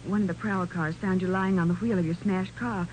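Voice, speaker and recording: An actress playing a plucky, concerned American detective's assistant in 1940s radio style. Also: female voice, on the low side, fairly even intonation, a little fast, darkish tone, lightly acted. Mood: concerned, frank. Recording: noisy old 1940s radio recording.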